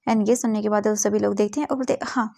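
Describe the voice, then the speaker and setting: A woman's voice: medium pitch, steady tone, very fast, gravelly, mellow, no echo. A woman narrating a fan story casually, mixing English words into her telling.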